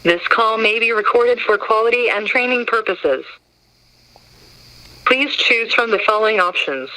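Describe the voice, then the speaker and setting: A recorded phone menu message reading options in an even, clearly spaced scripted announcement. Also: medium pitch, unhurried, rough recording. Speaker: automated phone greeting.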